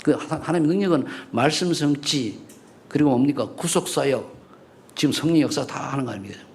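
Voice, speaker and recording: A middle-aged man preaching a sermon in a church, swinging between loud rising questions and low murmured asides, and bantering with the congregation. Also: fairly quick. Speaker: pastor. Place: church sanctuary.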